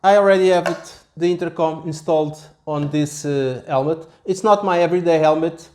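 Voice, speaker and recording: A man. He explains things step by step as a product reviewer, casual and somewhat halting in his delivery. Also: fairly high pitch, darkish tone. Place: small office, indoors.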